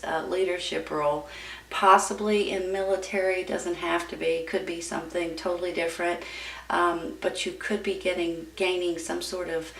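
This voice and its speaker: Female tarot reader, gravelly fry, encouraging folksy chat to viewers, recorded away from the mic. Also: fairly low pitch. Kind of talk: casual tarot reading addressed to viewers. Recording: roomy, distant mic with background noise.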